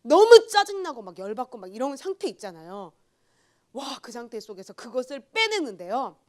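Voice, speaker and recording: Young woman preacher, high voice, very lively delivery, loud bursts and whispered asides, testimony sermon. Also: moderate pace. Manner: animated storytelling, swings between loud outbursts and hushed asides. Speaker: junior pastor.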